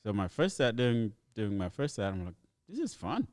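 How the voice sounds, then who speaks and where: Laid-back man, low voice. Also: big pitch swings, moderate pace, darkish tone, no room sound, studio quality. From Ethiopia. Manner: easygoing storyteller, laughs often. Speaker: comedian guest. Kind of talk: casual podcast chat.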